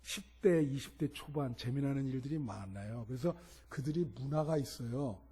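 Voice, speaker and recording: A man preaching a sermon as pastor, shifting between loud emphatic exclamations and quiet asides. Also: mid-range voice, normal speed, husky.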